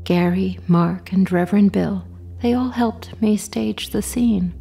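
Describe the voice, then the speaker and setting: A woman playing a sinister monster in human guise, calmly menacing and measured, in a horror audio drama with a half-whispered delivery. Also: mid-range voice, full character voice. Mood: cold, controlled. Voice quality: breathy, husky, half-whispered. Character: cold, sinister female monster disguised as human conspirator.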